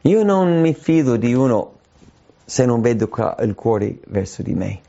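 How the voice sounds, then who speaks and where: A man preaching a sermon in an earnest, emphatic way, slowing down to stress key phrases. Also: mid-range voice, big pitch swings, gravelly, warm tone. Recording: dull lo-fi sound.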